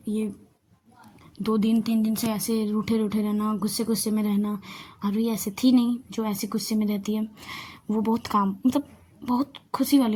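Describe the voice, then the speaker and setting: A woman's voice: a little high, warm tone, slight background noise. A woman casually telling a love story aloud, rambling and often correcting herself.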